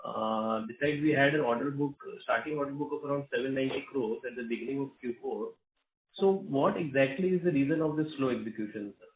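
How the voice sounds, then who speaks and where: A man's voice: mid-range voice, quick pace, a little hiss or hum. A man asking polite, hesitant questions over the phone on a business call, with many fillers and a deferential "sir". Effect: over the phone, on a phone line. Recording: echoey tinny phone line.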